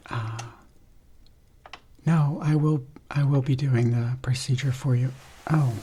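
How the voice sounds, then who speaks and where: A soft-spoken man doing an ASMR roleplay in an unhurried, reassuring manner. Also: medium pitch, slight background noise. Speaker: ASMR performer playing a substitute surgeon.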